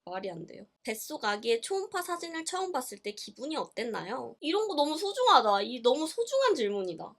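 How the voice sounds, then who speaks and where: A woman's voice: a little high, a bit bright. A young woman vlogging, reading a book aloud in casual chat and reacting expressively with gasps and laughs. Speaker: YouTuber.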